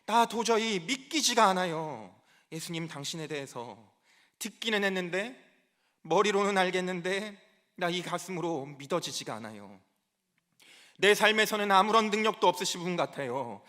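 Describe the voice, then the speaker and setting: A desperate grown father pleads in anguish to be helped to believe, as a male preacher acts him out within a sermon. The voice is high and bright for a man and strains with urgency. He begs again and again. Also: animated, moderate pace. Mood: pleading.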